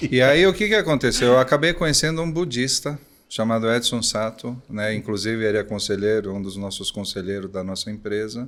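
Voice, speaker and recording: In an unremarkable speaking voice of medium pitch, a man talks at a fairly quick pace with lively intonation and hardly any pauses. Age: 60s. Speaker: company CEO. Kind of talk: podcast interview.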